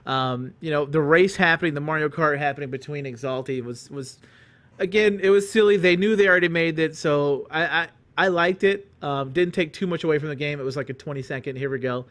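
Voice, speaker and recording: A man's voice: on the high side, fairly quick, fairly bright tone. A man hosting an esports stream, reading results and chatting in a rambling, joking way with many restarts. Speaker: esports caster. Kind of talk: casual esports commentary.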